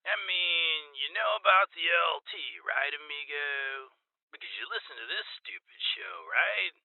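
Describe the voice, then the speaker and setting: An actor playing an over-eager, weird gang bro who insists he is normal, pitching on a tinny radio spot in an audio drama. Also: animated, a little slow, no room sound. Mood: shifty, boastful. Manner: over-eager dude-bro, peppers talk with amigo and bro. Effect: tinny radio filter. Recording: tinny narrow-band radio sound.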